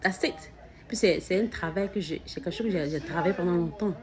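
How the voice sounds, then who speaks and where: Lower-voiced woman with a stutter. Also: quick pace, some chatter behind. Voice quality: stutters, repeats words and restarts phrases. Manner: earnest, reflective, addresses the listener directly. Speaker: mother sharing personal reflections. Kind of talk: casual spiritual self-help talk.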